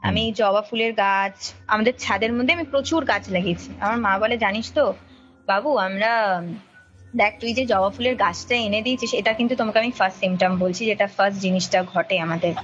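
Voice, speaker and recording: A woman's voice: mid-range voice, fairly quick. A young woman telling a personal story casually over a phone call, repeating phrases for emphasis. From India. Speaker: caller recounting a ghost story. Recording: dull lo-fi call recording, music behind. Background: background music.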